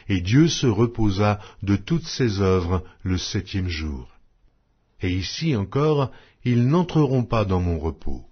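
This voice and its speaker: A man narrating scripture as an audiobook in a solemn, measured, declamatory manner. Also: low-pitched, husky, dull audio. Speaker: Bible narrator.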